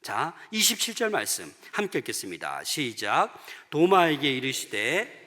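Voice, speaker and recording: A man's voice: mid-range voice, big pitch swings, a little slow. Emphatic male pastor in a big reverberant church. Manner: emphatic preaching with swings between loud and hushed lines. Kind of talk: sermon. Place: church sanctuary.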